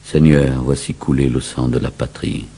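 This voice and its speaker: A man reciting verse in a grave, declamatory, solemn dramatic style with a husky voice. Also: very deep voice, level tone, moderate pace, mellow. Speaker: poetry reciter.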